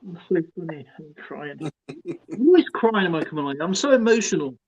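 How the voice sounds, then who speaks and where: A man's voice: sits high, very animated, moderate pace, darkish tone, slight background noise. An English man co-hosting a live stream in casual chat, joking and laughing often as he tells stories. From England. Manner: laughs a lot, jokey storytelling. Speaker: stream co-host. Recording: dull lo-fi stream audio.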